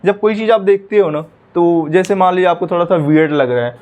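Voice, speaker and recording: High-voiced man teaching vocabulary. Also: quick pace, darkish tone. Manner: explains word by word, repeats terms, frequent "ठीक है" and "guys". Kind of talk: online exam-prep lesson.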